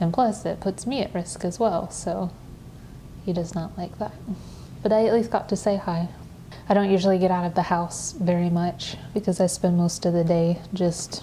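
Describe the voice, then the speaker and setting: This voice has a dark, mellow tone and is somewhat breathy, with a US Midwestern accent. The intonation is fairly even. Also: woman, fairly low pitch for a woman, moderate pace. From Indiana, US Midwest. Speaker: novelist and streamer. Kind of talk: casual chat on a livestream. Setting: livestream from home. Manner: monotone.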